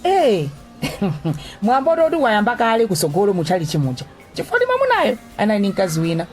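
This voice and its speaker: A woman's voice: mid-range voice, huge pitch swings, a little fast, darkish tone. A Malawian actress playing a playful, outspoken young woman who advises a friend in a radio drama, chatty and emphatic. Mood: gossipy, sympathetic. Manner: chatty, teasing, explains emphatically, laughs often. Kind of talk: radio drama dialogue in Chichewa with some English. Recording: music under the dialogue.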